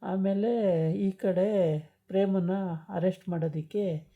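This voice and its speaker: A woman's voice: medium pitch, steady tone, takes it slowly. A woman chattily retelling a TV serial episode, with many hesitation sounds. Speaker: storyteller recapping a TV serial. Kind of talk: casual story retelling. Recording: dull lo-fi recording.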